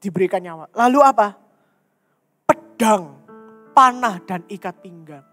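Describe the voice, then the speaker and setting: Guy preaching in a big echoey church, soft music under him, lively, drops english bits in. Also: sits high, unhurried. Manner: animated, mixes English phrases into preaching. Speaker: youth preacher. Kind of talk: sermon. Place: church hall. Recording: reverberant hall with music.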